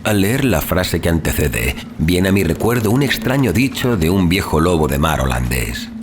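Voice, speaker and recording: A man narrating a horror audiobook in a measured, solemn, theatrical manner, as a dramatic scripted reading. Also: sits low, sing-song, slight background noise. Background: music.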